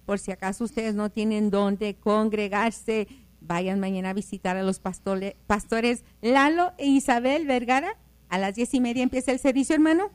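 A woman's voice: fairly high pitch, normal speed, clear, resonant tone. A woman from El Paso, Texas, hosting a Christian radio talk show in a fervent, preachy, upbeat way. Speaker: radio host.

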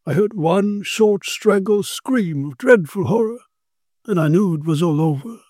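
A man voicing a commanding, grave male occult detective who explains dark matters with authority. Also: high-pitched, a little slow, no echo, studio quality, voice pushed up.

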